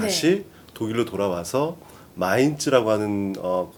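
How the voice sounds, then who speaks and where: At a fairly slow pace, a man talks with very wide swings in pitch. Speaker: opera singer, vocal coach. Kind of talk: interview answer.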